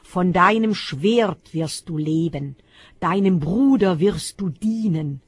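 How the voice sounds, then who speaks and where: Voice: mid-range voice, expressive, takes it slowly, breathy edge, no echo. A reader voicing an old blind father, shaken and grave, speaking in a solemn, reciting way.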